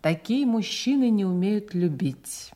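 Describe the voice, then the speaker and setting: An actress playing a cynical, seductive cabaret singer in an audio drama, with a languid, teasing delivery. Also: female voice, mid-range voice, expressive, a little slow, warm tone. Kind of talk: dramatic audio play dialogue.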